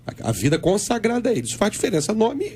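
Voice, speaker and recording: A man on a radio debate panel, answering in a measured, reflective way. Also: sits high, very animated, dark tone, slight background noise.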